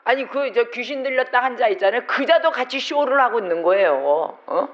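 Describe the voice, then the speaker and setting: Animated high-voiced male pastor preaching. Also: brisk, dull audio. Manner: animated, conversational, rhetorical questions. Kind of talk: Sunday sermon. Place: church sanctuary.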